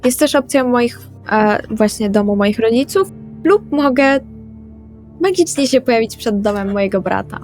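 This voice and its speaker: A woman's voice: fairly high pitch, animated, normal speed, darkish tone. A woman playing in a tabletop role-playing session, speaking casually and partly in character. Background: background music.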